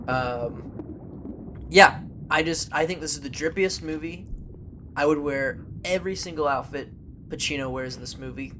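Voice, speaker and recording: A man's voice: fairly high pitch, pushed and bright, slight background noise. A man co-hosting a casual movie podcast, playful and rambling, with many fillers. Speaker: podcast co-host.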